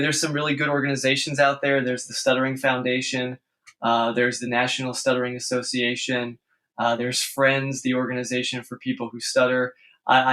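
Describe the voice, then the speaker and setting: Earnest explaining man, bright voice. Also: mid-range voice. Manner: earnest, explanatory, with frequent restarts. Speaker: guest speech-language pathologist. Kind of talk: conversational podcast interview.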